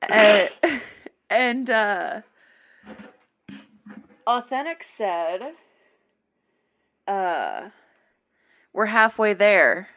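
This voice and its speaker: Slow-talking, giggly woman host. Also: mid-range voice, big pitch swings, a bit bright. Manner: giggly, rambling storyteller. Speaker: podcast host. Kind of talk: casual chat.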